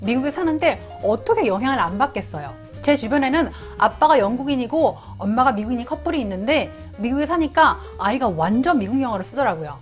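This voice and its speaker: Lively woman explaining English. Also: a little high, fast, few pauses, faint music behind. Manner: friendly, explains English usage in Korean. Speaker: YouTube English teacher. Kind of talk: casual explanatory vlog.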